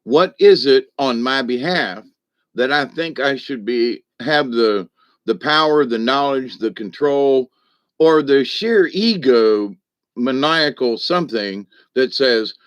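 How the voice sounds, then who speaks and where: A man's voice: medium pitch, animated, takes it slowly. A man hosting a livestream as a shaman, talking in a folksy, meandering way with many asides to his viewers. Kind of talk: rambling spiritual talk to viewers.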